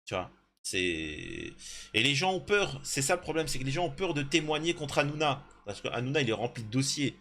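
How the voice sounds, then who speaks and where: Guy reading an article then going off on rambly indignant tangents to his viewers, lots of uh, bright punchy voice. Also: a little high, fast talker. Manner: rambling asides with many hesitations; indignant, talks to viewers directly. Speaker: YouTube news commentator. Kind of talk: reading an article aloud with off-the-cuff commentary.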